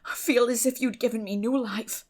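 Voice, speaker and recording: A woman playing a plain-spoken, reserved but tender older guardian in an audiobook drama, halting, subdued and folksy. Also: on the high side, steady tone, lightly acted. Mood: moved, yielding. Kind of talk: dramatic audiobook reading of a classic novel.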